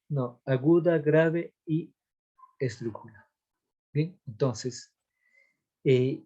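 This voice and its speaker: A male literature teacher walks through verse meter in a recorded lesson. He speaks slowly and deliberately, in a slightly high voice. He counts syllables out loud one at a time and keeps checking in with a questioning "right?". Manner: asks rhetorical checks like "¿Bien?".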